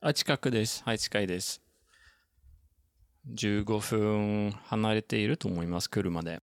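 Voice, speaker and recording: Low gravelly man speaking careful Japanese. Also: steady tone, measured pace, no room sound, clean studio sound. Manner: careful non-native speech with frequent restarts and laughs. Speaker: interviewed game developer. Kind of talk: casual podcast interview.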